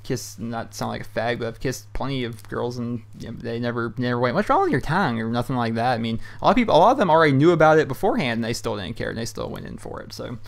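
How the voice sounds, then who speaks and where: A young man in his bedroom chats through viewer questions at a quick clip, words tumbling out. His delivery is loose and rambling, full of um, uh and you know. His pitch sits in an ordinary middle range. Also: animated, gravelly. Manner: loose and chatty, heavy on fillers like um and you know. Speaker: YouTube host answering viewer questions. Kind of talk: casual rambling commentary. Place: his hot bedroom at home.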